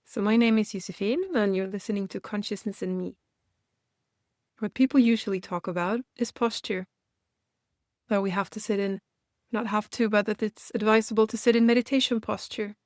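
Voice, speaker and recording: A woman leads a guided meditation with a gentle, instructional delivery. Her voice sits at an average female pitch and is recorded very dry, with little room sound. She is reassuring and leaves unhurried space between her phrases. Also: fairly even intonation, dry recording.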